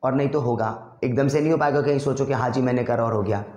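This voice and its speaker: A man's voice: mid-range voice, quick pace, darkish tone, dull audio. A man teaching spoken English in casual Hindi, repeating drill phrases again and again and calling his viewers brother. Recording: echoey room.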